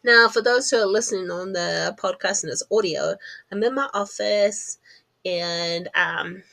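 A woman's voice: mid-range voice, measured pace, creaky, a bit bright. A woman with a New Zealand accent, chatting casually to camera from her home office as a podcast host, laughing at herself often.

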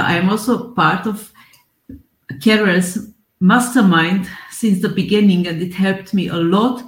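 A woman's voice: mid-range voice, a little mellow. A woman in her forties from Hungary, speaking English with a Hungarian accent, earnestly describing her work as a yoga coach. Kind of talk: casual video call chat. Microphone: video call. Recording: echoey room.

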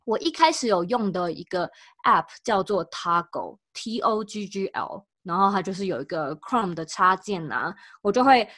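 A woman's voice: medium pitch, a bit bright, dry recording, clean studio sound. A woman guest, explaining practical advice step by step in a casual interview.

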